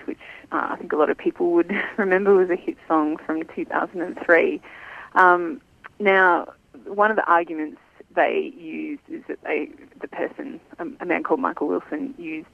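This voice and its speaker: Female journalist over the phone: fry in the voice, lo-fi phone sound, chatty and thoughtful. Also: fairly low pitch. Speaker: journalist guest. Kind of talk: phone interview. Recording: tinny phone line.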